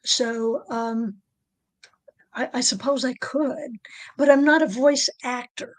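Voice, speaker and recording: A woman author with a low alto voice, speaking in a halting, soft-spoken way in a casual podcast interview. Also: steady tone, no room sound. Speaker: author guest.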